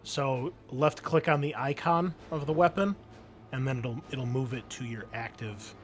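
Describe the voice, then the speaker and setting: Guy game mastering an online tabletop rpg, casual explainer, medium pitch, music playing underneath. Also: steady tone, measured pace.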